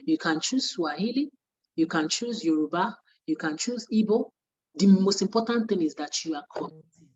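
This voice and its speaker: A woman's voice: fairly low pitch, expressive, normal speed, darkish tone, breathy edge, muffled recording. A woman, a media training facilitator, teaches trainees in an earnest way and repeats her points for emphasis. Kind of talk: spoken lesson to trainees.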